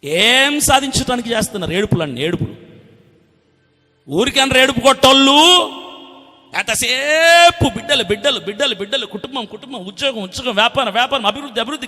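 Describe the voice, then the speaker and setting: Casting: impassioned male evangelist, middle-aged, high voice, long hall reverb. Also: slightly rough. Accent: Telugu. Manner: impassioned, repetitive, rhetorical questions, swings from loud to hushed. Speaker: evangelist preacher. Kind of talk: sermon.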